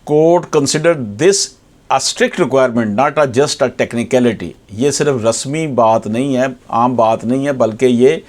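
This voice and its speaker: A man with a Pakistani accent explains law to viewers like an advocate, formally, repeating key points and switching into slowly read English. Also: medium pitch, darkish tone. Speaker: advocate presenting legal explainers. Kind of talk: explanatory legal lecture to viewers.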